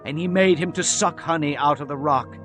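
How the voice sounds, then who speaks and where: A man performs an aged male prophet in a dramatized scripture reading. His voice sits a little high for a man. He declaims solemnly and fervently, like a stern orator, over faint music. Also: a little fast, a bit bright, close to an everyday voice. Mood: solemn, exalted.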